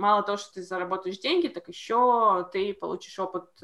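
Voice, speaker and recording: With an ordinary speaking voice, a woman talks at a moderate pace with medium pitch and fairly even intonation. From Latvia. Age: 20s. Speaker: master's student. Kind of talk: casual interview.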